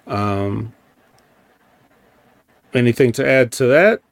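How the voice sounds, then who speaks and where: Slow, sarcastic man recapping wrestling. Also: medium pitch, animated, creaky, dry recording. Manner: rambling, sarcastic, frequent ums. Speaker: podcast host. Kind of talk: casual wrestling recap chat.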